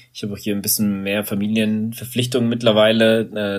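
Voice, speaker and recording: His intonation stays monotone and flat. The man's voice sits at a fairly low pitch. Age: 40s. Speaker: podcast host. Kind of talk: casual chat. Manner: halting.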